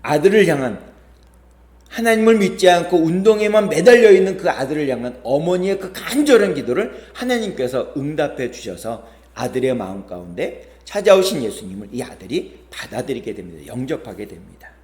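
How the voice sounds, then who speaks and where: A man's voice: a little high, big pitch swings, brisk, darkish tone, echoey room. A male pastor preaching a sermon, telling stories with quoted voices and rising, falling emphasis. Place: church sanctuary.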